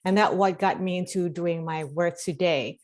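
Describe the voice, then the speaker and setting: A woman's voice: on the low side, moderate pace, darkish tone. Rambling woman from Indonesia. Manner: rambling, many fillers and restarts. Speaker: life coach and hypnotherapist guest. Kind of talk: casual interview talk.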